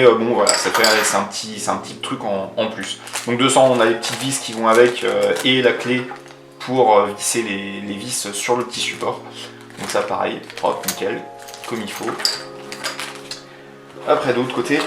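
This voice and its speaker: A man presents a product in a relaxed, colloquial vlog style. His voice sits at an average pitch and carries noticeable room echo. He explains things step by step over background music. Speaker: motovlogger reviewing a product. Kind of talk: casual hands-on product demonstration. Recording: roomy echo, faint music underneath.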